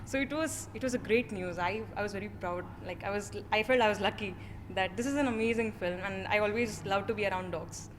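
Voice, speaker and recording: A woman's voice: medium pitch, a little fast. A woman answering casually and conversationally as an actress being interviewed. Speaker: film actress, interview guest. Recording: reverberant hall with background noise.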